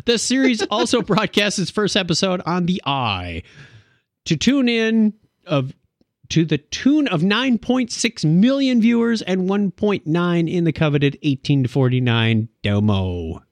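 A man's voice: high voice, sing-song, unhurried, no echo, studio quality. A man co-hosting a casual podcast, reading news items with a playful, laughing delivery. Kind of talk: casual chat.

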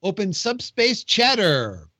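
A man hosting a casual podcast, talking conversationally with quick jokey asides. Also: sits high, wildly swooping pitch, pushed and bright, no room sound. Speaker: podcast host. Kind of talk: casual chat.

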